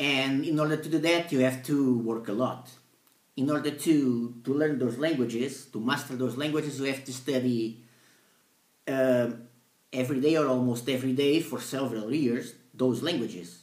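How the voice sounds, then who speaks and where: A man with a Portuguese accent speaks at a moderate pace and medium pitch, his intonation fairly even, with audible room echo. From Portugal. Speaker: language learning vlogger. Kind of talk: casual vlog monologue. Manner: hesitant, many fillers.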